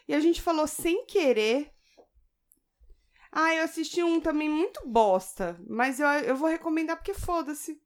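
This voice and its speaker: A playful Brazilian woman in her thirties, co-hosting a podcast in relaxed banter. Her voice sits a little high, and she swears without a second thought. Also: measured pace. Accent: Brazilian Portuguese. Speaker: podcast co-host. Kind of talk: casual chat.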